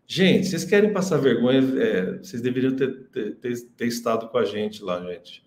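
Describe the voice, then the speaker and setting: A man's voice: mid-range voice, moderate pace, reverberant. A man, a singing teacher telling stories casually on a live stream, laughing often and acting out what others said. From Brazil. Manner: animated, laughing storyteller who acts out quotes.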